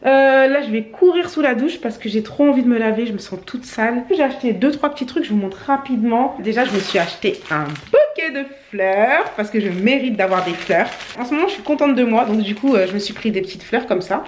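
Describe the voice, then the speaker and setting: A woman's voice: on the high side, expressive, fairly quick, few pauses, a little hiss or hum. A young woman vlogging at home, talking to her viewers in a chatty, upbeat, slangy way into a handheld phone. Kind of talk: casual vlog chat. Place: at home, indoors.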